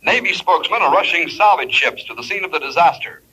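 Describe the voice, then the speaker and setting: An actor playing a radio news announcer reading bulletins in a brisk, formal manner. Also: male voice, on the high side, lively intonation, sharp tone, breathy edge, exaggerated voice, poor audio. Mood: urgent. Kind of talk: 1940s radio acting.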